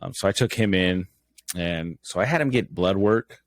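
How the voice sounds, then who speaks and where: Low-voiced man in casual, slangy banter. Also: moderate pace. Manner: slangy, profane, joking. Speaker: podcast co-host.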